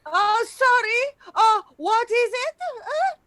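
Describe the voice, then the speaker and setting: Woman doing haughty hungry vampire lady, super high n bright, theatrical, impatient, comedy table read. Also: animated, slow pace, dry recording, heavily acted. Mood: impatient, mocking.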